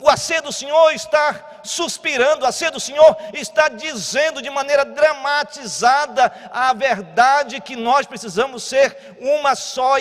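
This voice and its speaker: A Brazilian pastor preaching a sermon, moving between quiet teaching and loud exhortation. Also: male voice, very high voice. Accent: Brazilian Portuguese. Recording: long church hall reverb.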